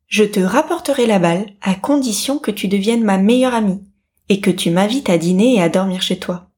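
A woman's voice: mid-range voice, fairly quick, a little mellow, close to an everyday voice. A persistent male toad from a fairy tale who keeps pressing and coaxing to get what he was promised, as a woman reader voices him. His requests sound insistent, and he leans hard on his pleading.

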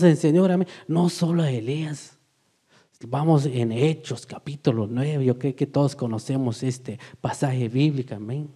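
Fervent preacher, loud then hushed. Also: male voice, on the high side, slightly rough. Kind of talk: evangelical sermon.

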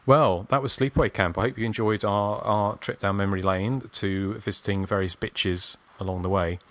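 A man's voice: lowish voice, fairly even intonation, moderate pace, fairly bright tone. A man hosting a podcast in a casual, chatty way. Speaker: podcast host. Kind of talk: casual chat.

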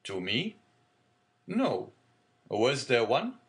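A man's voice: mid-range voice, wildly swooping pitch, drawn-out words, fairly bright tone, heavily acted. A man voicing a genial, fatherly middle-aged shipowner.

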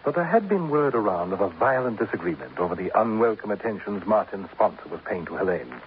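An actor playing a smug, florid older killer, mocking and very pleased with himself, in 1950s radio acting. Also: male voice, fairly low pitch, expressive, fast, close to an everyday voice. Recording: tinny, lightly hissy old radio broadcast.

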